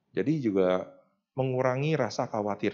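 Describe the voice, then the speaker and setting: The voice has a dark, mellow tone and moves at a moderate pace over a quiet background. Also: man. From Indonesia. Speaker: Buddhist teacher giving a dharma talk. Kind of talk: sermon. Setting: temple with live audience. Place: hall. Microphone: handheld.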